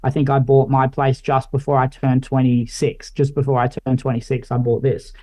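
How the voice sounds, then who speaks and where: A young Australian man in his late twenties talks casually as a podcast guest. His voice is warm and dark-toned, sitting at an ordinary pitch. He rambles loosely, filling gaps with "like" and "I guess". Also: normal speed. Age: late 20s. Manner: relaxed, rambling, many fillers like "like" and "I guess". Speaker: guest, finance analyst.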